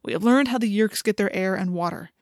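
A woman narrator voices a practical teenage boy, the leader type, in a storybook. He is businesslike and level-headed, speaking at a middling pitch in a very dry recording. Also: quick pace, dry recording, natural voice.

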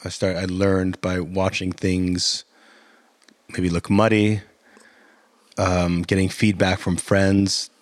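A man's voice: sits low, flat delivery, takes it slowly, pauses often, no room sound. A man who directs theater, answering interview questions in a thoughtful, rambling way with frequent fillers and restarts.

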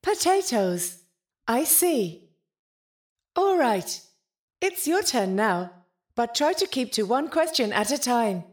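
A woman's voice: a little high, very animated, takes it slowly, pauses often. A woman playing a prim, evasive, literal-minded ship's intelligence in a science-fiction audio drama, speaking with dry, formal politeness. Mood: measured, polite. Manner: formal, pedantic, dryly polite.

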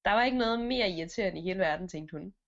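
A woman's voice: lowish voice, animated. A woman telling an improvised story casually, with fillers and acted-out voices. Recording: dull lo-fi recording.

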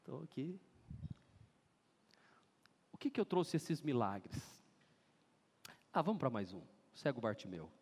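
A Brazilian man preaching a lively sermon as pastor, acting out scenes and leading the congregation to read aloud together. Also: mid-range voice, moderate pace, long pauses, husky. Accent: Brazilian Portuguese. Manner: animated, acts out scenes and leads congregation in shouting. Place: large church hall. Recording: long church hall reverb.

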